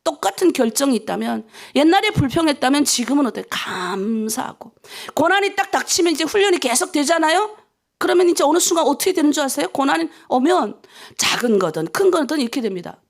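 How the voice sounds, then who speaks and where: A woman's voice: high-pitched, sing-song, a little fast. A middle-aged woman pastor giving a dawn prayer sermon, telling stories with feeling and acting out prayers to God. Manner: emotional storytelling, acts out prayers to God.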